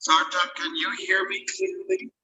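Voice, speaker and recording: A man leading an online class discussion as a spiritual teacher, speaking thoughtfully with hesitant fillers, his voice robotic and low in sample rate over a video call. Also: little pitch movement, a little slow, bright, forceful tone, slightly rough, low-quality recording. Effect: robotic, low sample rate video-call audio.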